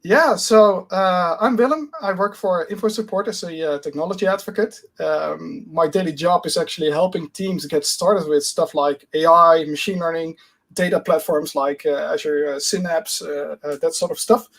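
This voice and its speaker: A man's voice: on the high side, moderate pace, vocal fry, a bit bright. A man, giving a casual tech talk on a video call, hesitant and full of fillers. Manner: hesitant, many fillers and restarts. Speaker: guest speaker.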